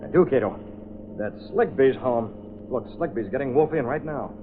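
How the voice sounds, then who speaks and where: An actor playing a calm, authoritative male hero in a 1930s radio drama, speaking in a measured way, on a scratchy, narrow old recording. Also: medium pitch, close to an everyday voice.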